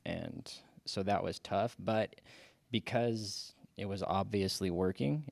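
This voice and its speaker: Gravelly man in his forties, halting. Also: sits low, no room sound. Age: 40s. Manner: halting, many restarts and fillers. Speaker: podcast guest. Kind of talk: casual interview chat.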